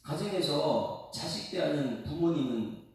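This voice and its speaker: Male pastor, lively preacher who quizzes his flock; very reverberant hall, distant mic. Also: on the high side, measured pace. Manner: animated preaching with questions to the congregation. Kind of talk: expository sermon at dawn prayer service. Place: church sanctuary. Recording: echoey room, mic far off.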